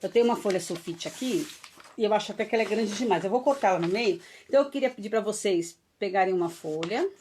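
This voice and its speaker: Speaking fast at a medium pitch, a Brazilian woman who teaches early childhood gives a chatty live online talk packed with tag questions. She becomes animated while leading the audience in games, and there's a little hiss or hum.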